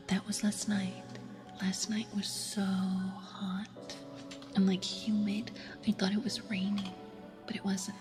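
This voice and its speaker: Woman whispering softly over music. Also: medium pitch. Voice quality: soft, breathy whisper. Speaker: ASMR livestream host. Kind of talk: whispered ASMR, casual livestream chat with viewers. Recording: music playing behind.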